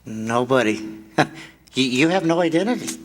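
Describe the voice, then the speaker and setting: Ancient but childlike angel male actor, mid-pitched, very lively swings, stammering and gentle, radio drama with slight noise. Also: normal speed, close to an everyday voice. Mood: gently explaining. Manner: stammering, innocent, chuckling. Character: gentle, childlike, eager 293-year-old male angel. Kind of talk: 1940s radio play stage reading.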